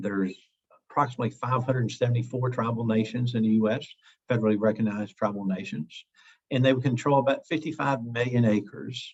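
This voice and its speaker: The man talks at a very fast pace, his medium-pitched voice showing ordinary pitch variation. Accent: Texas. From Texas. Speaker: company founder and executive. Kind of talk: webinar presentation. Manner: halting, many fillers.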